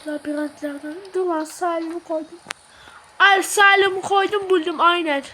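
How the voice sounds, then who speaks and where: A woman's voice: very high voice, fairly even intonation, normal speed, bright, forceful tone, a little hiss or hum. A woman commenting on a horror game as she plays. She swears, mutters prayers when scared and shrieks when startled. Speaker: gamer.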